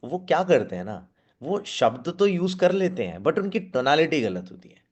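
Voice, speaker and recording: A man's voice: fairly high pitch, sing-song, darkish tone. A man training a seated sales team, talking directly and often stopping to check that they follow, with English phrases mixed in. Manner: coaching, checks in often with a quick question, mixes in English phrases. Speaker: network marketing team trainer. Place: meeting room with team present.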